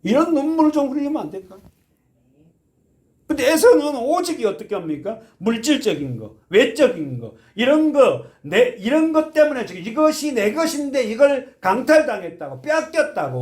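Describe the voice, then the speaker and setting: Impassioned Korean pastor preaching. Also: male voice, very animated, normal speed. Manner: emphatic, swings between soft low asides and loud impassioned appeals; asks the congregation questions and leads group Bible readings. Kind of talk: sermon. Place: church sanctuary.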